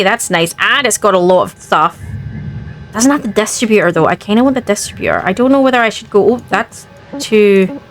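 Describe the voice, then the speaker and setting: Scottish woman, gravelly and sniffly. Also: medium pitch, fairly bright tone. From Scotland. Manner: chatty, thinking aloud. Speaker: gaming host. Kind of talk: let's play commentary.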